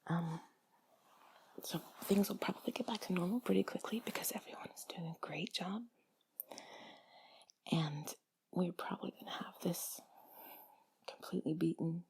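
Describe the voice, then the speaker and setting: A woman speaks in a very breathy, husky near-whisper that often turns creaky. Her voice sits a little low. She rambles gently and reassuringly, in an intimate, comforting style meant for a single listener. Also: moderate pace, long pauses. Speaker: audio creator speaking to listener.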